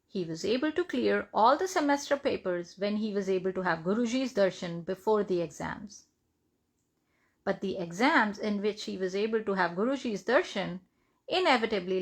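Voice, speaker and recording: A woman reads a devotional account aloud, phrase by phrase. Her voice sits at a medium pitch and often drops into audible creak. The delivery is measured, as if following a written page. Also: a bit bright. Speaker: reader of devotional testimonies. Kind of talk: reading a written first-person story aloud.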